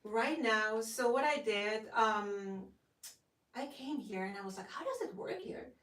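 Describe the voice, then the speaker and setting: A young woman from the Netherlands speaks English with a Dutch accent, her voice a little high. She gushes eagerly, padding her answers with fillers. She sounds set back from the mic in a roomy space. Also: expressive, a little slow, a bit bright, distant mic. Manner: gushing, enthusiastic, many fillers. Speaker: guest actress. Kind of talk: casual interview.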